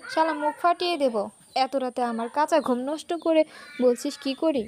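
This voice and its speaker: A woman voicing a hot-tempered, snappy young female college student in a read-aloud story, her voice high. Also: normal speed, noisy background, lightly acted. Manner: scolding, snappy.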